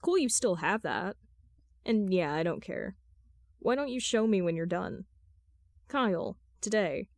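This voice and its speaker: A woman's voice: medium pitch, lively intonation, measured pace, long pauses, dry recording. Woman reading fan fiction, dry close sound. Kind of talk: scripted narration, amateur audiobook reading of texts and story.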